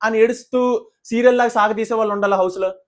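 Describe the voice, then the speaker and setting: Brief: high-pitched man, rapid indignant show-review rant. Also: fairly even intonation. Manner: indignant, rhetorical questions, fast ranting. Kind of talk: heated casual commentary.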